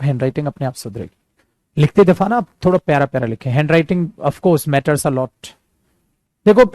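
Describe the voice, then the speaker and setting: A man from India teaching a spoken English class, lively and emphatic, switching freely between Hindi and English and slowing right down to spell out his example sentences. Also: high-pitched, dry recording. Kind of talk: classroom lesson, explaining at a board.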